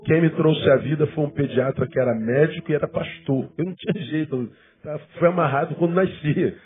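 A fifty-year-old Brazilian pastor with a Rio de Janeiro accent, preaching conversationally to a congregation and repeating words for emphasis. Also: male voice, fairly high pitch, a little fast. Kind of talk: sermon, conversational teaching to a congregation. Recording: thin phone-like sound, guitar music behind.

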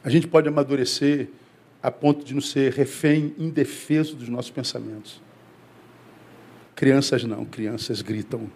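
A Brazilian pastor with a husky voice speaks at normal speed, delivering a conversational sermon and addressing his congregation as brother. He acts out the voices of the people he quotes, climbing to high, excited emphasis.

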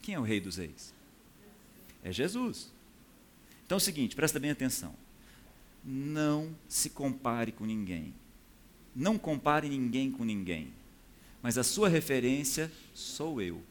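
A man's voice: medium pitch, big pitch swings, a little slow, pauses often, slight background noise. A man preaching a sermon. He teaches from scripture in a conversational way and often checks in with his listeners.

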